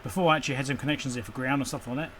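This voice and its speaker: A man's voice: medium pitch, fairly even intonation, very fast, fairly bright tone, a little hiss or hum. A man giving an off-the-cuff, casual running commentary as he does hands-on work, with muttered asides. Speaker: electronics repair channel host. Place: indoor electronics workbench.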